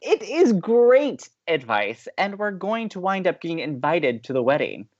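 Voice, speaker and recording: A woman's voice: on the low side, big pitch swings, unhurried, a little mellow, muffled recording. A woman playing an upbeat, teasing, hopelessly romantic college radio co-host in an audio drama, talking in playful, emphatic banter. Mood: teasing, insistent. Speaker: actor in a romantic comedy podcast.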